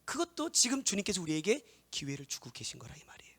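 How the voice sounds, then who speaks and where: Korean pastor guy preaching, high lively voice, goes loud then drops to whispers. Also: very fast, gravelly, husky. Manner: swings from loud exclaiming to hushed whispers. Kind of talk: sermon.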